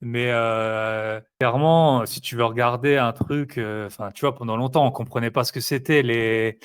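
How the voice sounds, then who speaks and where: A man's voice: mid-range voice, normal speed, smooth. A man chatting casually as an interview guest, rambling a little and leaning on fillers. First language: French. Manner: rambling, filler-heavy, relaxed. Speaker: interviewee, investor. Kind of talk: casual conversational chat.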